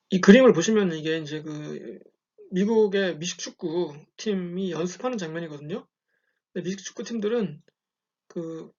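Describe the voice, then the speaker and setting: A man lecturing in a relaxed, conversational way, often checking in with "예" and telling examples. The recording is dull and lo-fi. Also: high voice, gravelly. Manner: conversational, frequent "예" check-ins, storytelling examples. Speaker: university lecturer.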